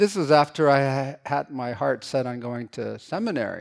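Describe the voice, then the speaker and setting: Here a man speaks with an American accent at a medium pitch and moderate pace. His pitch variation is ordinary, and the recording is very clean with a silent background. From US West Coast, San Francisco. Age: 50s. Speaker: church elder. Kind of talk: testimony. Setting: church with audience. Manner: halting.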